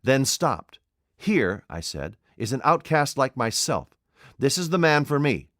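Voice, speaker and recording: A man's voice: mid-range voice, big pitch swings, measured pace, a bit bright, no room sound, clean studio sound, voice pushed up. A man voicing an invisible man in an audiobook, speaking in a curt, imperious, cold way. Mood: intense. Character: commanding, desperate invisible man, adult male. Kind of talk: audiobook character voice.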